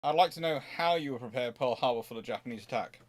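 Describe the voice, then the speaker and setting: A man with a mid-pitched voice hosts an informal history Q&A stream. He talks conversationally and haltingly, leaning firmly on key words as he explains. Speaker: host answering viewer questions.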